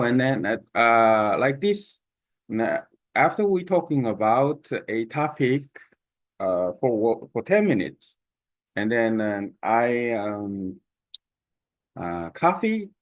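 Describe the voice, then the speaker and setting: Slow, halting man with a Korean accent. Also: on the low side, dry recording. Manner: halting, many pauses and fillers. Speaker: language learner sharing his method. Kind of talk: unscripted talk to camera.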